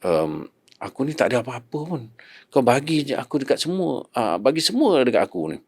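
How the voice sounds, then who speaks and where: A man's voice: mid-range voice, big pitch swings, a little fast, darkish tone, breathy edge, no room sound. A man with a Malaysian Malay accent, a podcast guest, earnestly recounting his faith testimony and repeating his own past prayers.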